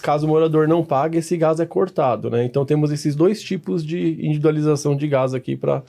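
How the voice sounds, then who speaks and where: A man's voice: on the high side, fast talker, gravelly, warm tone. A man with a São Paulo Brazilian accent giving a methodical technical explanation in a conversational way, as a specialist guest.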